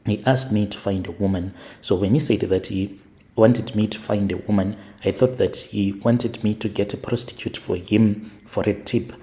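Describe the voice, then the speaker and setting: A man hosting and narrating a listener's confession as a story, in a deliberate, plain manner. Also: on the low side, steady tone, darkish tone. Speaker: host and narrator.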